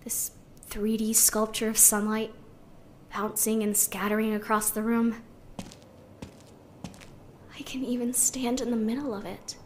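A woman plays a spirited young artist in a sci-fi audio drama. Her voice sits fairly high, and she muses in a playful, idealistic, conversational way over clear background noise with some clicking. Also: little pitch movement, a little slow, long pauses, a little mellow, lightly acted. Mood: awed, wistful. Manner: musing, conversational. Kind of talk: audio drama monologue, naturalistic.

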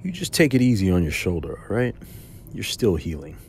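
A man's voice: fairly low pitch, very animated, a little fast, darkish tone, slight background noise. A man playing a flirtatious, protective spy with a hot temper in an audio drama. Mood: flirty, teasing. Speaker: voice actor in a fan audio drama. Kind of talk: audio drama acting, intimate.

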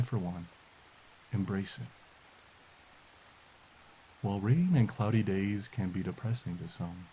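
A man softly and slowly guiding a meditation as podcast host, in a soothing delivery. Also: fairly low pitch, low-quality recording. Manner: soft, slow, soothing delivery. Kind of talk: guided meditation. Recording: hiss and rain noise. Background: rain.

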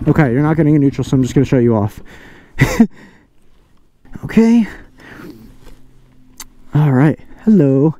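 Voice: mid-range voice, lo-fi sound. Rambling rider over road noise. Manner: relaxed, rambling, many fillers. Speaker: motovlogger. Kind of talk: casual riding vlog chat. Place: outdoors, riding a motorcycle on a road. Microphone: helmet-mounted microphone. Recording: road and engine noise behind.

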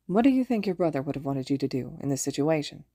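A woman voicing a gentle, patient man in an audiobook, speaking softly and calmly. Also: low voice, fast talker, no echo, studio quality. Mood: soft, probing. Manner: soft-spoken, calm, probing.

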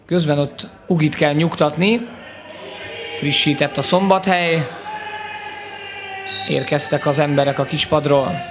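A man giving excited, exclamatory live commentary on a match. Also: on the high side, pauses often, over music. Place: indoor sports hall. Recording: clearly noisy sports hall ambience. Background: sports hall noise.

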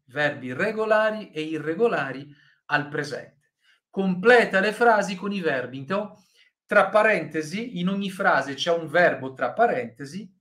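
Slow-talking Brazilian man teaching Italian. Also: high-pitched, a bit bright. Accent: Brazilian Portuguese. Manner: patient, corrects students by name, frequent "tá?" check-ins. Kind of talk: live online language lesson.

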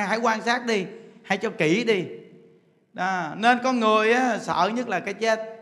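High-voiced Southern Vietnamese preacher man. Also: bright, forceful tone, long reverb tail. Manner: rhetorical questions to the audience, chuckling, drawn-out emphasis. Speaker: Buddhist preacher. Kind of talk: dharma talk. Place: temple hall.

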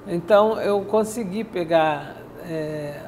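A woman's voice: lowish voice, a little mellow, a little hiss or hum. An older woman interviewing a guest in a TV studio, recounting anecdotes at length with repeated phrases, recorded on a lapel mic. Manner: anecdotal, drawn-out storytelling with repeats. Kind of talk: casual studio interview chat. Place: bright indoor TV studio, seated.

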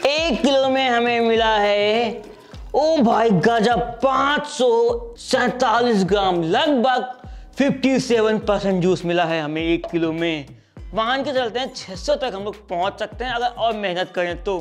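A man's voice: sits high, measured pace, faint music behind. A young man chatting casually while he reviews and demonstrates a hand-press juicer in a small studio, speaking into a lapel mic. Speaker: product reviewer. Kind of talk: casual product review vlog. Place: small indoor studio set with striped backdrop.

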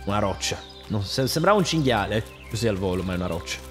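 A man giving excitable, jokey running commentary while playing a video game. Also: fairly low pitch, fast talker, soft background music. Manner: excitable, jokey, shouts at enemies in combat. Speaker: gameplay streamer. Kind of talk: casual let's play commentary.

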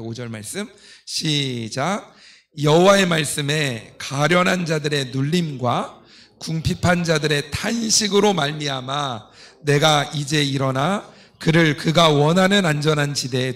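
A middle-aged pastor with a fairly high, somewhat bright voice delivers a sermon indoors from the church pulpit. He explains scripture in a teaching manner, leading readings and asking rhetorical questions of his congregation.

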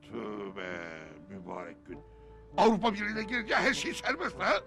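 A man's voice: high voice, very animated, normal speed, creaky, sharp tone, heavily acted. A middle-aged man playing a stern, old-fashioned father who scolds the boys in a sitcom. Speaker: Davut Usta, stern father and uncle. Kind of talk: TV sitcom acting. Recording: TV episode with music underneath.

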